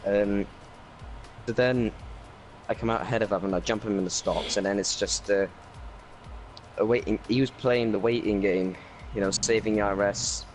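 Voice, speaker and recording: A Welsh man talking through his race as a league driver in a casual interview, rambling with many fillers and speeding up when excited. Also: fairly low pitch, normal speed, faint music behind, low-quality recording. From Wales.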